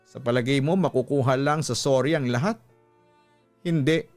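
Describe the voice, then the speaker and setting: A man's voice: mid-range voice, moderate pace, a little mellow, soft background music, lightly acted. A man voicing a betrayed Filipina wife, emotional and reproachful, in a radio-style story drama. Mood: pleading, wounded. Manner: emotional, reproachful, switching between Tagalog and English. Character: hurt, angry betrayed Filipina wife confronting her husband.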